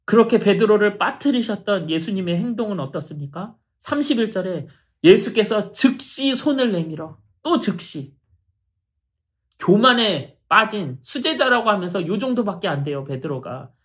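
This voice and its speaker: A woman's voice: mid-range voice, animated, normal speed. A middle-aged woman pastor preaching a sermon in an earnest, emphatic way, often addressing the congregation directly.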